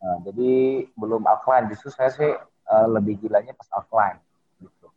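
A middle-aged man, founder of a fitness method, appears as a podcast guest in a casual interview, rambling with plenty of fillers and restarts. His voice is lowish and husky at a normal speed, heard over a tinny, phone-like line.

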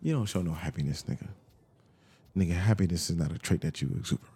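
A man's voice: deep voice, fast talker, warm tone. A man with an African American accent talking bluntly in a casual, heated discussion, swearing and repeating himself.

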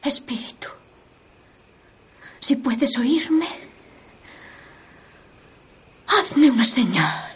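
A solemn young séance medium in a dubbed drama. Her voice is high and a little breathy. She delivers slow, theatrical invocations as if entering a trance. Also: sing-song, full character voice. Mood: entranced, summoning. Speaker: spiritualist medium. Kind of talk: film dub acting, séance invocation.

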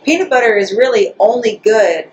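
A woman guest in a casual interview, witty and argumentative, firing back quick comebacks. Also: fairly high pitch, a little mellow, muffled recording, a little hiss or hum. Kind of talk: casual chat.

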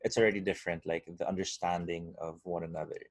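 A man from Cebu with a Filipino accent, hosting a relaxed conversational interview with lots of backchannel replies. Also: low voice, quick pace. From Cebu, Philippines. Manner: relaxed, many backchannels, laughs along. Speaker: host.

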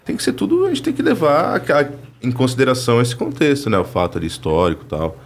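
A man's voice: mid-range voice, big pitch swings, fast. A man, a voice actor guest, telling work stories in a casual chat.

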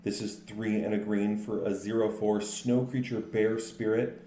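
A man with a fairly low voice co-hosts a podcast, casually chatting about card games and explaining things in a relaxed manner. He runs through card names in quick lists, and the echoey room has faint noise.

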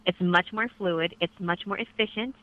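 A woman's voice: fairly low pitch, moderate pace. Woman interpreter on a dull phone line. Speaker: sign language relay interpreter voicing a caller. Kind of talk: conversational live interpreting. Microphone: telephone. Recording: dull radio-like telephone line.

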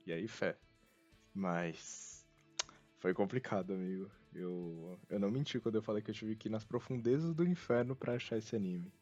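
Speaking at a normal speed in a mellow, lowish voice, this Brazilian man hosts a laid-back anime podcast full of jokes. His chatter is wry and self-mocking. The lo-fi recording has a dull quality, with music in the background.

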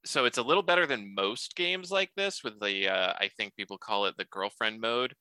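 A man's voice: fairly low pitch, normal speed, clear, resonant tone, dry recording. A man co-hosting a podcast, reviewing a game in a playful, jokey way. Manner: playful, jokey, lively delivery. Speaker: podcast co-host. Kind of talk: casual podcast chat.

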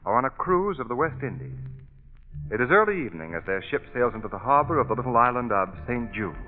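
A man's voice: medium pitch, big pitch swings, fast talker, soft background music. A man announcing and narrating in a formal, theatrical 1930s radio style, with emphatic scripted delivery. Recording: tinny, narrow old radio broadcast.

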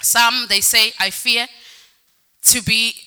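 Bright-voiced woman preaching in a reverberant hall. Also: a little high, fairly even intonation, takes it slowly, smooth. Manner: repeats words for emphasis, calls out "Amen"; sings some phrases, varies pace. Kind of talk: sermon. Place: church hall. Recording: reverberant hall with faint music.

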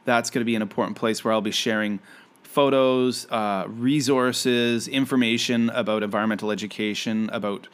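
A man's voice: medium pitch, steady tone, moderate pace. A man from Canada hosting a casual solo podcast, talking in a friendly, rambling way with many fillers and restarts. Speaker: podcast host; environmental educator.

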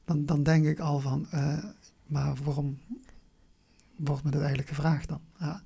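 Husky, creaky, halting southern Dutch voice. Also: medium pitch, level tone, mellow. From Venlo, Limburg, Netherlands. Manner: halting, searching, repeats words. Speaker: interview guest. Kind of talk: personal interview, reflective.

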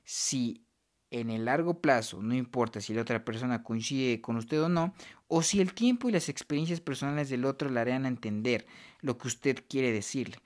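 Man reading a nonfiction book aloud. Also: medium pitch. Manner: unhurried reading with pauses and self-corrections. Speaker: reader.

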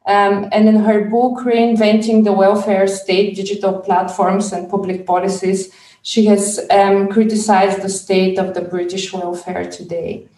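A woman's voice: medium pitch, little pitch movement, a little slow, mellow. A woman moderating an event, introducing a guest speaker with frequent ums. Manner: hesitant, many fillers. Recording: roomy sound, distant from the mic.

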